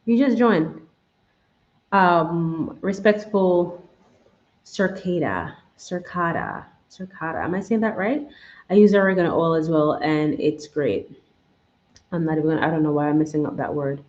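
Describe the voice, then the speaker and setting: A woman's voice: low-pitched, lively intonation, a little slow, darkish tone. A woman with a Jamaican accent hosting a live stream, rambling and correcting herself as she talks straight to her viewers. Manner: rambling, self-correcting, addresses viewers directly. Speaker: channel host doing a live Q&A. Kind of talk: casual live-stream chat. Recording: echoey room, slightly dull sound.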